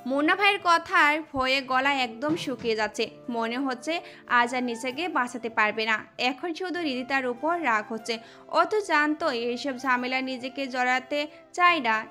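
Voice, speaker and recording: A woman's voice: sits high, normal speed, pushed and bright. A woman reading a scripted dramatic story as the narrator of an audio drama. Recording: music under the voice.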